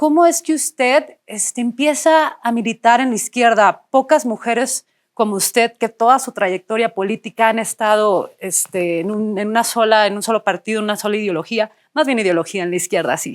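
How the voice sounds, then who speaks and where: Speaking in a Sinaloan accent, a woman with a fairly high pitch and lively intonation talks at a moderate pace with hardly any pauses, in a very clean recording with a silent background and a dry, close sound with no echo. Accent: Sinaloan Mexican. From Mexico, Sinaloa. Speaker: interviewer, TV host. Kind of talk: interview.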